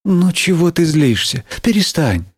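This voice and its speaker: Brief: excitable middle-aged schoolteacher woman, put on by a male reader, shrill and high, recorded dry. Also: measured pace, slightly rough, dry recording, full character voice. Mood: pleading. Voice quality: raised shrill voice, scolding and fussing. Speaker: teacher. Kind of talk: audiobook character reading.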